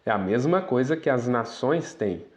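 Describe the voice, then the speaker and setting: A man preaching to his congregation at a middle pitch. He reads quoted passages aloud, then breaks in with short asides that end in a questioning tag. His delivery moves steadily from reading to commentary and back. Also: expressive, normal speed.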